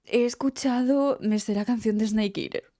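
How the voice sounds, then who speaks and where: A woman's voice: fairly high pitch, steady tone, normal speed, warm tone, no echo, clean studio sound. A woman with a Spain Spanish accent chatting casually on a live stream, teary after crying, emotional and rambling and swearing freely. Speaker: game streamer.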